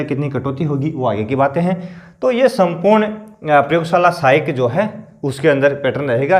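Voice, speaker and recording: A male coaching teacher with a sore throat, clearing his throat as he explains a lesson slowly and repeats the figures. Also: on the high side. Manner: explains slowly, repeats figures, keeps asking "theek hai na".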